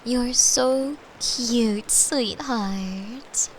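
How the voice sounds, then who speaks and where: A woman playing a caring, playful girlfriend in a soft, tender, breathy bedtime ASMR roleplay. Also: a little high, a little hiss or hum, low-quality recording. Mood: gently teasing. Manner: soft, slow, tender, often breathy and whispering. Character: caring, playful girlfriend soothing her partner to sleep.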